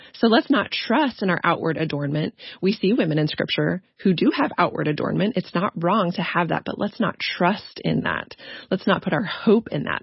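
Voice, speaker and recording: A woman speaks with vocal fry. Her intonation is lively. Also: medium pitch for a woman, moderate pace. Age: 40s. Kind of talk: interview.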